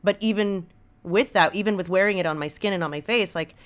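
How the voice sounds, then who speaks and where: A woman's voice: medium pitch, brisk. A woman with an American accent talking casually and earnestly in an interview, often checking that the listener follows. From Los Angeles, United States. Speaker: podcast guest, audio drama writer. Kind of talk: casual conversational interview talk.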